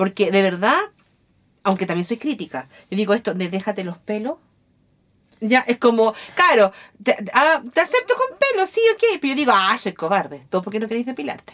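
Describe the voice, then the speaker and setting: Pausing long and often, a woman speaks at a fairly quick pace and fairly high pitch, with very wide pitch swings. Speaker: podcast co-host. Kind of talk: casual chat.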